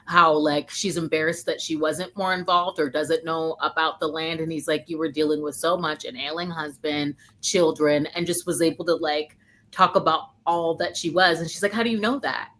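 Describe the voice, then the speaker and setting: Woman, slightly low voice, gushing book-club panelist, rambling and informal. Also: steady tone, moderate pace, fairly bright tone. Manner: effusive, rambling, peppered with "like". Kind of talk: casual chat, gushing about a novel.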